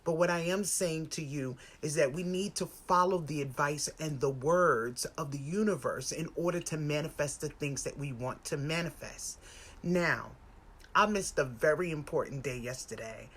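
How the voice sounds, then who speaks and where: In her forties and American-accented, this woman has a low, slightly rough voice and speaks at a moderate pace. She hosts a casual, motivational spiritual lifestyle live stream, talking conversationally and emphatically and often repeating phrases for stress.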